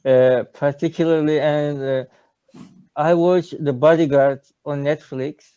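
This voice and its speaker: A man with a Turkish accent speaks slowly and haltingly on a video call, with a lot of uhs as he hunts for English words. His voice is mellow and smooth, and the sound is dry and a bit dull. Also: a little high, steady tone, dry recording. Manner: hesitant, searching for words, many uhs. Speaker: English learner. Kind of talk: casual video-call lesson chat.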